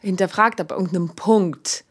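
Laid-back woman co-host, lowish voice, loose chatty sentences. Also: moderate pace, a crowd in the background. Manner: relaxed, loose, with many fillers. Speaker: podcast co-host. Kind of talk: casual conversational interview.

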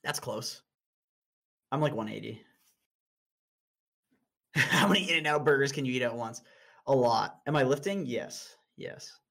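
A man's voice: mid-range voice, unhurried, creaky, long pauses, fairly bright tone. Blunt young man chatting on stream. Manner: blunt, laughs often, restarts words. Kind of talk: casual stream chat.

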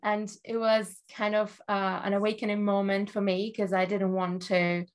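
A woman's voice: medium pitch, little pitch movement, normal speed. A woman from Germany who is not a native English speaker, a relationships coach telling her story as an interview guest, thoughtful and often laughing.

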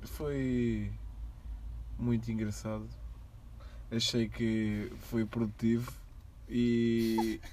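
A man's voice: medium pitch, little pitch movement, drawn-out words, long pauses, darkish tone. A man with a European Portuguese accent chatting casually and in slang with friends. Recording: some background noise.

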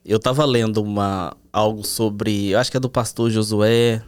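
A man's voice: on the low side, steady tone, moderate pace, clear, resonant tone. A man co-hosting a casual Christian talk, thinking aloud with frequent restarts.

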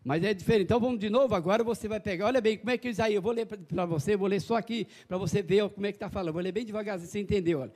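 Man, pastor, high voice, folksy animated sermon. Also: very fast, few pauses. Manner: folksy, animated preaching with calls to the congregation. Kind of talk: evangelical sermon.

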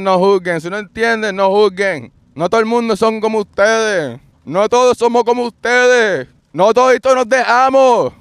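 Defiant Puerto Rican man, high voice. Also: fairly bright tone, clear, resonant tone, no echo. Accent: Puerto Rican Spanish. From Puerto Rico. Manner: defiant, repetitive, swears often. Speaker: podcast host. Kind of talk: rambling solo monologue.

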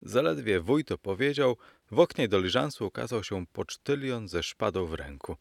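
Male audiobook narrator, very low gravelly voice, dry close-miked sound, old-fashioned storyteller. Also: expressive, moderate pace, dry recording. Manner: storyteller addressing listeners as gentlemen.

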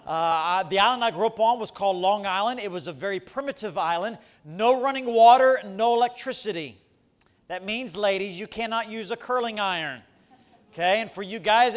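A middle-aged man who grew up in the Bahamas, giving a folksy, joking testimony as a missionary preacher in a church. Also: high voice. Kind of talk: sermon testimony. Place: church sanctuary.

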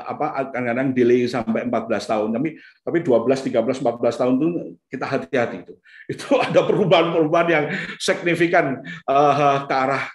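Male seminar speaker, conversational and animated when he acts out scenes, recorded in an echoey hall. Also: mid-range voice. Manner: conversational, many fillers like "gitu ya"; acts out parents and children in lively bursts. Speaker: lecturer on the brain and parenting. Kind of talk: casual seminar talk. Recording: echoey room.

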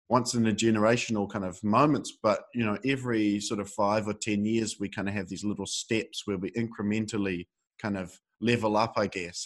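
Male interviewer, slightly low register, casual and reflective, hedged and meandering delivery. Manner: tentative, hedging, meandering sentences.

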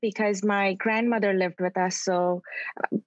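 A woman's voice: medium pitch, fairly even intonation, measured pace, no room sound. A woman in her thirties from Pakistan, a triathlete guest in a casual interview, speaking earnestly and reflectively and often searching for words.

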